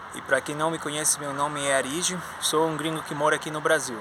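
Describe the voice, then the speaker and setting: A man with a fairly high pitch speaks at a moderate pace while noticeable background noise carries on. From Spanish-speaking country. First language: Spanish (speaking Portuguese). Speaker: language teacher and YouTuber. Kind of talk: educational vlog.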